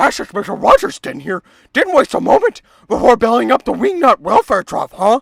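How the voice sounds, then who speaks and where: A man's put-on character voice, extremely high-pitched and at a fairly quick pace. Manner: goofy, exaggerated.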